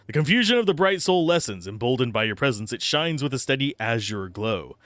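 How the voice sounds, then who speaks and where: A man's voice: mid-range voice, big pitch swings, a little fast, a bit bright, dry recording. A man streaming a game, giving live commentary and reading game text aloud into a close microphone. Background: faint game music.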